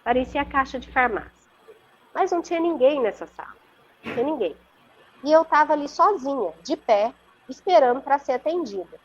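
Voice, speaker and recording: Casting: Brazilian woman, slightly high and airy, storytelling guest, muffled call audio. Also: breathy edge. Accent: Brazilian Portuguese. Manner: earnest, vivid, checks in with the listener often. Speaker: interview guest. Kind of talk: conversational storytelling. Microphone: video call.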